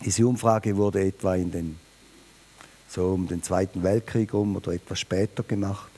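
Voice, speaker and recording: A man preaching a New Year sermon, emphatic and lively, speaking directly to his listeners. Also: normal speed, husky. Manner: lively, emphatic, varies pitch and volume, addresses listeners directly.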